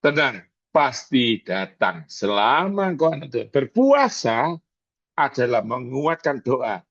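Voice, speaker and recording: Man preaching, from East Java, slow deliberate delivery, dull dry video-call sound. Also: mid-range voice, sing-song, a bit bright, dry recording. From East Java, Indonesia. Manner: slow, emphatic, dramatic retelling, mixes in English words. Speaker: pastor. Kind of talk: emotional sermon and prayer.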